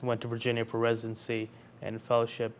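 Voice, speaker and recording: Calm, measured male cardiologist. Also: medium pitch, a little hiss or hum. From Pakistan, raised in North Carolina. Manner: calm, measured, explains clearly with analogies. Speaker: cardiologist guest. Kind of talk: explanatory interview answers.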